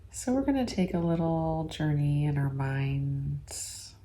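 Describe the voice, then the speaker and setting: Very slow, low, soft-spoken woman. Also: lively intonation. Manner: gentle, unhurried, with long pauses. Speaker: reiki practitioner leading guided meditation. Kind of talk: ASMR guided meditation, slow and soothing.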